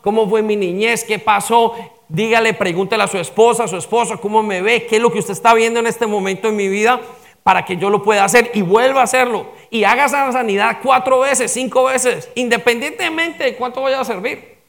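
A pastor preaching a sermon, firing rhetorical questions at the congregation and calling for amens. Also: male voice, sits high, a little fast, gravelly, fairly bright tone.

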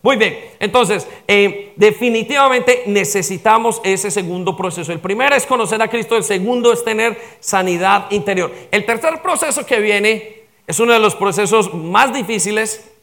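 High gravelly-voiced man preaching. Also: fairly bright tone. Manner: emphatic preaching, rhetorical questions, asks for amens. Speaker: pastor. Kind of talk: sermon.

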